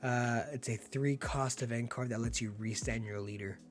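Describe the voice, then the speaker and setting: Hoarse man calling a card game match. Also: medium pitch, fairly even intonation, normal speed. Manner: upbeat, laid-back, laughs often. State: hoarse from being sick. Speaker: card game commentator and channel host. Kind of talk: casual play-by-play commentary.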